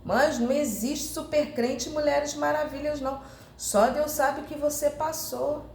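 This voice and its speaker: A woman's voice: high-pitched, steady tone, measured pace, vocal fry, darkish tone. A Brazilian woman preaching earnestly, often addressing her sisters and acting out heartfelt prayers. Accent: Brazilian Portuguese. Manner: earnest, repeating "irmãs" often; acts out heartfelt prayers to the Lord. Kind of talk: sermon. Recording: roomy echo, faint noise.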